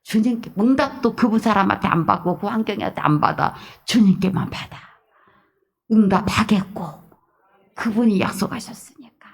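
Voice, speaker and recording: A woman pastor with a Jeolla Korean accent delivers an early-morning sermon, emphatic and repetitive, dropping into hushed asides. Her voice is medium in pitch and moderately paced, gravelly with a breathy edge.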